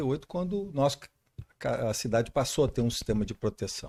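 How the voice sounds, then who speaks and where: A man with a normal speaking voice talks at a moderate pace, his intonation lively. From southern Brazil, Canoas area. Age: 60s. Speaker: mayoral candidate, politician. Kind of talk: podcast interview.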